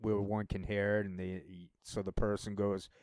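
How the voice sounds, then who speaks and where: A man's voice: lowish voice, level tone, moderate pace, darkish tone, dry recording. A man talking casually to his channel in a rambling, self-deprecating way, often stopping and restarting his sentences. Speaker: channel host.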